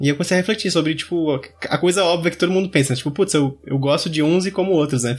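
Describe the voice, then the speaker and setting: A man with a Brazilian accent and a high pitch speaks at a very fast pace, his loudness very even and his pitch variation ordinary. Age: 30s. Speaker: software developer. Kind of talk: casual interview.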